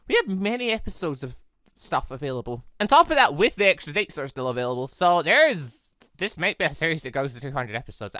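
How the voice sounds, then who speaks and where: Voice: medium pitch, bright, forceful tone, dry recording, studio quality. A gaming video host giving casual, rambling commentary, chatty and digressive, often doubling back to correct what was just said.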